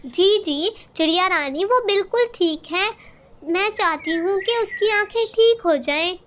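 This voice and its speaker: A woman's voice: very high-pitched, unhurried, fairly bright tone. A woman voicing a kind, brave female sparrow in a cartoon story, caring and firm.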